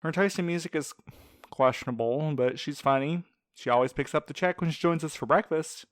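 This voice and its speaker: A man's voice: on the high side, brisk, no echo, studio quality, lightly acted. A man playing a teasing but supportive friend and coworker in a fiction podcast, with wordy, sarcastic quips. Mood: teasing, friendly. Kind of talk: fiction podcast audio drama acting.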